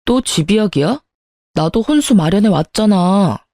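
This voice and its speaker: A sulky, money-minded young husband from an audio story, as a woman reader puts him on, pitched a little lower than her own voice. The tone is mellow and dark, close and dry, accusing and quick to flare into shouting. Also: expressive, no echo, lightly acted. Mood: indignant. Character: petty, calculating young husband, quick to anger.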